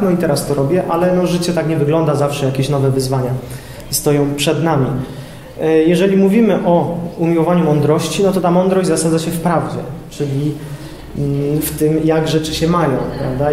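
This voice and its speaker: Echoey young man lecturing with many pauses. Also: fairly high pitch, dark tone. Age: young adult. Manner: hesitant, many filler sounds, explanatory. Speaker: student lecturer. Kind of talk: informal lecture to high school students. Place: classroom with projector screen, indoors. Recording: echoey room with long reverb, faint noise.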